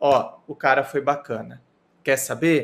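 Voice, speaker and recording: A man's fairly high voice at a fairly slow pace. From Brazil. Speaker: relationship advice youtuber. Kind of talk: reading listener email with commentary. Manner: animated. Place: home room.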